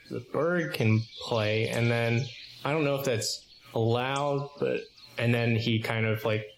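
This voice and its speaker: A man's voice: medium pitch, a little hiss or hum. A man playing a tabletop game, casually explaining rules and describing his character's actions. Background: prominent music.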